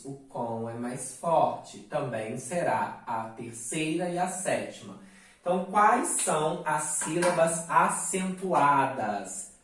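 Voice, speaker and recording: Slow-paced male teacher in an echoey room. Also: a little high, animated, fairly bright tone. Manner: slow, deliberate dictation, stressing syllables. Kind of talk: recorded video lesson. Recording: echoey room, mic at a distance.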